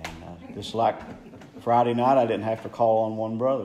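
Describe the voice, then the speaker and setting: A man speaks at a fairly quick pace with an Appalachian accent. His pitch is fairly low, and there is light background noise. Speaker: church pastor leading service and prayer; church elder or pastor introducing the preacher. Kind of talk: church welcome and spoken prayer; sermon-style church remarks. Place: church.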